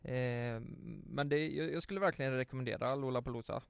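Young guy, gravelly voice, dry sound, chatty and swears a lot. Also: medium pitch, no room sound. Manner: rambling storytelling with swearing. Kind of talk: casual chat.

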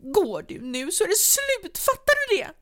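A woman voicing a desperate young woman who shouts at her partner, shrill and close to tears. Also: huge pitch swings, heavily acted. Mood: frantic shouting.

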